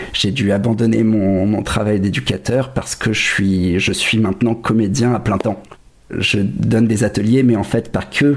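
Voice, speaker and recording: Fairly even intonation from a man at a fairly slow pace, with noticeable background noise. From France, Paris. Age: 30s. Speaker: actor. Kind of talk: testimony. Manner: halting.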